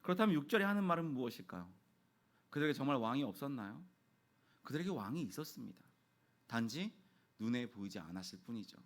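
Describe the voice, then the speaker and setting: A man's voice: sing-song, quick pace, long pauses. A man in his thirties, a pastor, preaching a midweek sermon in a church and acting out quoted dialogue in his stories. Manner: storytelling, acts out quoted dialogue with raised pitch. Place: church sanctuary.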